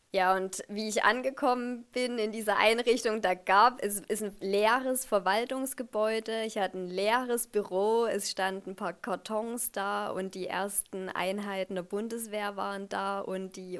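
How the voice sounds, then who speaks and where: Speaking at a fairly slow pace with fairly even intonation, the woman hardly pauses at all. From Saxony, Germany (Dresden). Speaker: development cooperation worker. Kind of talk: interview. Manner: hesitant fillers.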